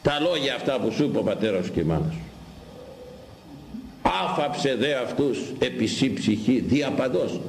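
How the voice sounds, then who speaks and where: An older man, an Orthodox priest, giving a sermon in an animated, scolding way, repeating phrases and reciting scripture slowly. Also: medium pitch, vocal fry, echoey room, a little hiss or hum, low-quality recording. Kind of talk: sermon on Proverbs.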